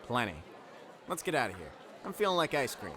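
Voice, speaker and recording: A man's voice: mid-range voice, big pitch swings, brisk, pushed and bright, a faint crowd. An actor playing an easygoing, cheeky teenage boy in an audio drama, talking casually and breezily. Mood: breezy, reassuring.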